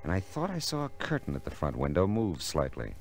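A man's voice: low-pitched, wildly swooping pitch, a little fast, slight background noise, exaggerated voice. An actor playing a hard-boiled, wisecracking private eye in old radio detective drama, wry and laconic as he narrates and needles people. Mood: wry, world-weary. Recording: old radio recording with music underscore.

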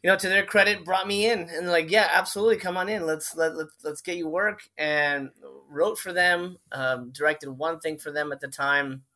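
A man's voice: on the high side, moderate pace, hardly any pauses, sharp tone. A man in his forties from Miami, a filmmaker guest telling stories in a casual, rambling interview, often correcting himself. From Miami, Florida. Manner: rambling, self-correcting storyteller.

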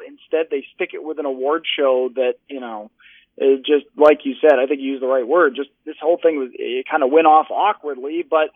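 A man's voice: on the high side, no echo. A man being interviewed as a guest over the phone, talking in a dry, sarcastic way with rambling restarts. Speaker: sports writer and analyst, guest. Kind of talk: casual interview chat. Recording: tinny phone line.

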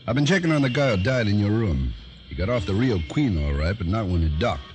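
An actor playing a blunt, sardonic police lieutenant in a 1940s-style radio drama, with music underneath. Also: male voice, on the low side, very animated, a little fast, a little mellow. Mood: dry. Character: gruff police lieutenant, male, dry.

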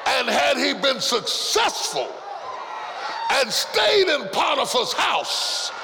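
A man's voice: very high-pitched, wildly swooping pitch, takes it slowly, vocal fry, raised voice. A man preaching a rousing revival sermon in a roaring, rallying way, exhorting the congregation with emphatic repetition. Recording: live sermon over music and crowd noise. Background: music and congregation.

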